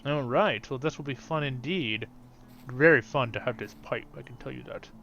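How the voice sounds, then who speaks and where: A man's voice: medium pitch, normal speed, creaky, muffled recording, soft background music. A man hosting his channel, giving casual, chatty commentary while playing a fantasy game. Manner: upbeat, chatty, drifts into softer asides. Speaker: YouTube channel host.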